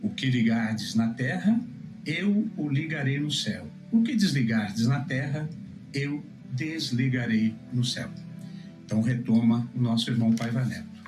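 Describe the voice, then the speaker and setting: A Brazilian man gives religious teaching in a measured, emphatic manner. His voice sits at a middle pitch and rings with noticeable room echo. Music plays faintly behind him. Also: lively intonation. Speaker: preacher. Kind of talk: religious teaching, scripture exposition.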